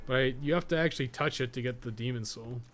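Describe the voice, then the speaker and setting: A man's voice: medium pitch, fast talker, fairly bright tone. Profane man commentating a game, noisy background. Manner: profane, thinking aloud. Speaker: game streamer and guide writer. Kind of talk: casual live gameplay commentary.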